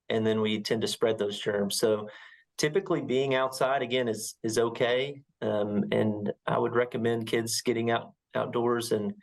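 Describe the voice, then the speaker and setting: A man's voice: mid-range voice, low-quality recording. An American man, a doctor, giving an unscripted interview answer in a conversational, reassuring way. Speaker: sports medicine doctor. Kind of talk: interview soundbite, unscripted explanation.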